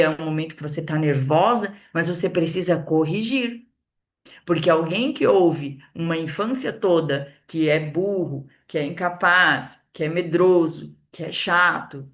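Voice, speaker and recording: A Brazilian woman mentor giving a motivational talk, explaining calmly and then pushing her voice louder or softer for emphasis. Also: on the low side. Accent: Brazilian Portuguese. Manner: expressive, shifts between loud and soft on purpose; speaks with calm, steady explanation between emphatic lines. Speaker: communication mentor and coach. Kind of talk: motivational talk to a women's group.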